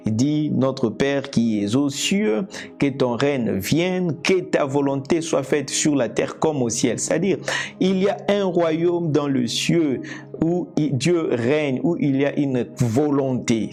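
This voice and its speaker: A man from Congo whose first language is Lingala, preaching a teaching sermon in a slow, deliberate way, repeating and restarting phrases. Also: mid-range voice, darkish tone. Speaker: evangelist preacher. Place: indoors, seated.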